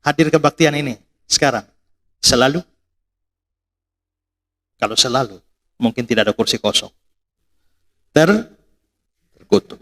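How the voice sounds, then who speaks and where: A man's voice: mid-range voice, measured pace, pauses often. A man with an Indonesian accent preaching a sermon, asking the congregation questions and acting out his own stories. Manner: animated, rhetorical questions to congregation, acts out quarrels. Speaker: pastor.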